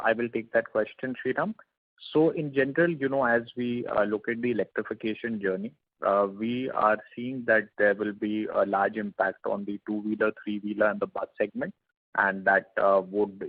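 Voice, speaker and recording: A man with a low, husky voice comes through a narrow phone line with very little room sound. He talks like an executive on an investor call, giving measured, formal explanations. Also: flat delivery, no room sound. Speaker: company executive. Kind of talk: earnings call answers, business explanation.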